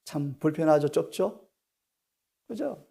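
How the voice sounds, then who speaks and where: Gravelly middle-aged man preaching. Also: on the high side, animated, slow. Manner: rhetorical questions to the congregation, swings from soft to loud. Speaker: pastor. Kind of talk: sermon.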